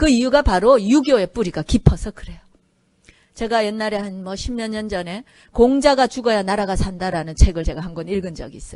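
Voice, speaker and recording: Fairly quick and animated, the speech has lively intonation and big swings in loudness. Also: woman, medium pitch for a woman. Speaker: pastor. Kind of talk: sermon. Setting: church.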